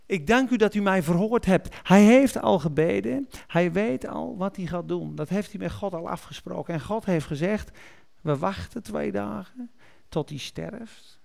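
A man's voice: high-pitched, lively intonation, a little slow, vocal fry, a little mellow. A man preaching, reading Bible verses aloud and explaining them, correcting small slips as he goes. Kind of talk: sermon reading and explaining scripture.

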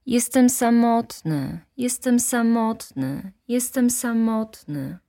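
A woman voicing a mountain echo that repeats words slowly and trails off in a storybook reading. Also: a little high, expressive, vocal fry, mellow, pitched above the performer's own voice, exaggerated voice. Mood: hollow, fading.

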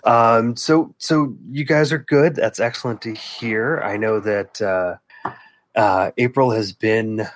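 Calm low-voiced male podcast host. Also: slow, slight background noise. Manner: calm, soothing radio-style delivery. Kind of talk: casual podcast chat.

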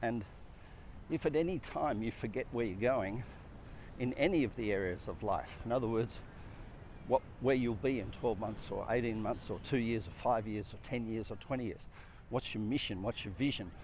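A man's voice: mid-range voice, moderate pace, a little mellow, a little hiss or hum. A man giving an earnest, reflective talk on personal growth, stacking up lists of questions and repeating phrases.

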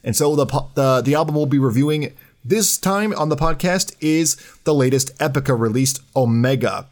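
A man's voice: medium pitch, moderate pace. A man hosting a casual podcast, chatty and talkative, with filler words and restarts. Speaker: podcast host.

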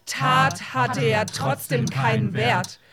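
A woman declaiming a literary audio play text in a deliberate, emphatic way. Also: fairly high pitch, steady tone, over a noisy crowd.

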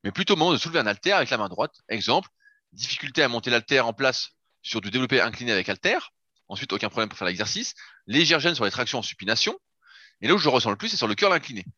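Racing and animated, the coach's mid-range voice has a sharp tone as he lays out his fitness method step by step. It's a casual podcast chat with the odd swear word, captured in dull lo-fi sound on a dry recording.

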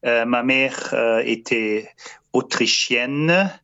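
Halting German-accented priest on radio. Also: male voice, mid-range voice, pushed and bright, smooth, dull audio. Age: 50s. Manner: halting, searching for words with many fillers and restarts. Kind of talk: radio interview answers.

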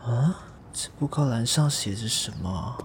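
A man's voice: mid-range voice, animated, measured pace, background noise, natural voice. An actor with a Taiwanese accent playing a sweet, scatterbrained, easily flustered young gay man in a radio drama. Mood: grumbling. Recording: music behind the voice.

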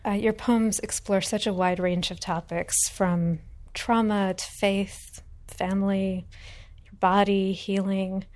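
Gentle woman interviewer. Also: medium pitch, level tone, takes it slowly. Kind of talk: interview questions.

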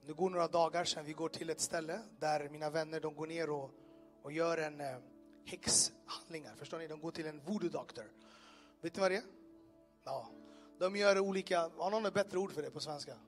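Man, high voice, telling a testimony to a room with faint music underneath; vivid, animated storyteller. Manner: animated storytelling with sound effects and direct questions to listeners. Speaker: speaker giving a personal testimony. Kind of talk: testimony told to a live audience. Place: in front of an audience in a room.

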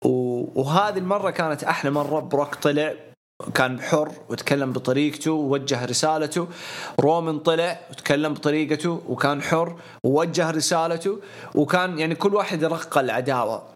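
A man's voice: on the high side, a little fast. A man, co-hosting a podcast in casual chat and laying out his opinions point by point. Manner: talkative, opinionated, runs through lists. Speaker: podcast co-host.

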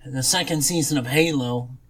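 A man's voice: mid-range voice, normal speed. A man co-hosting a podcast, chatting casually and giving opinions in a conversational way. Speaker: podcast co-host. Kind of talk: casual chat.

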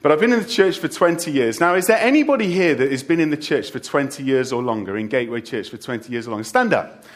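A man's voice: mid-range voice, animated, fast. A middle-aged man preaching a farewell sermon as a church leader, with joking asides to the congregation. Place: church service.

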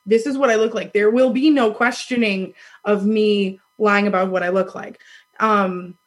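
A woman in her thirties with a loud voice, telling a dating story in casual chat, animated and laughing often. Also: mid-range voice, normal speed. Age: 30s. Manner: animated, laughs often, acts out quoted lines.

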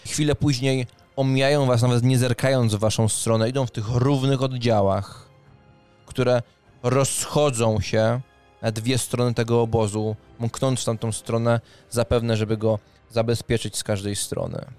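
A man narrating a tabletop fantasy game as game master, with deliberate, dramatic phrasing and pauses. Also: mid-range voice, steady tone, darkish tone, clear, resonant tone. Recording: music under the voice.

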